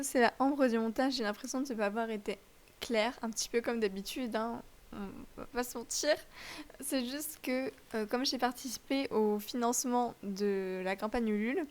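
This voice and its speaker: A young woman adding a casual, self-mocking note to her video. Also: a little high. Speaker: book vlogger adding an editing note. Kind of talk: casual aside.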